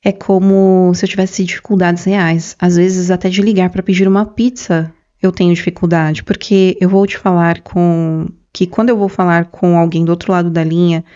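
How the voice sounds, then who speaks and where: An earnest woman speaks to the camera in a warm, mellow voice, confessional and emotional, repeating herself as she tells her testimony. She describes herself as shy. The recording sounds dull and slightly muffled. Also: on the low side, little pitch movement, normal speed, hardly any pauses, no echo. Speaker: Christian video creator. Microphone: camera mic.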